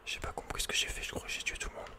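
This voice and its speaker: A man giving casual, slangy ASMR commentary on a video game, muttering with the odd mild swear word. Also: racing. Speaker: ASMR gaming streamer.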